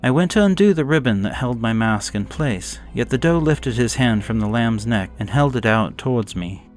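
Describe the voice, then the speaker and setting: A man narrating a gothic horror story in the first person, with somber, measured, suspenseful dramatic delivery. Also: medium pitch, animated, faint music behind.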